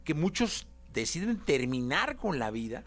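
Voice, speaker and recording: A man's voice: a little high, big pitch swings, unhurried, a bit bright. A man hosting an interview, affirming and prompting his guest. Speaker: interviewer host. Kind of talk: interview questions.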